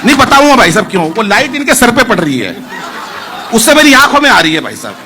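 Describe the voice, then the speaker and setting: A bright, high-voiced man performs comic stories live before an audience at a poetry gathering. He speaks straight to the crowd, coaxing applause. Faint ambience hangs in the background. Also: big pitch swings, quick pace, slight background noise. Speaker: stand-up poet at a poetry gathering. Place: live event venue with an audience.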